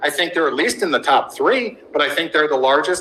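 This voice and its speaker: A man speaks with ordinary pitch variation. Noticeable background noise runs underneath. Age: 60s. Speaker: former hedge fund manager. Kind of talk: interview. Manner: animated.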